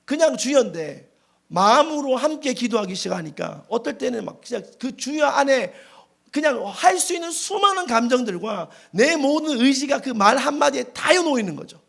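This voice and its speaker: A male pastor preaching a revival sermon in a church, telling stories with animated, dramatic delivery. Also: very high-pitched, normal speed, gravelly. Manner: animated storytelling with dramatic acted quotes.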